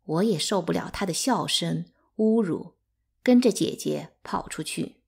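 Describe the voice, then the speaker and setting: A woman narrating a novel as a calm bedtime audiobook, in an even, unhurried way. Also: on the low side, vocal fry, husky. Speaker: audiobook reader.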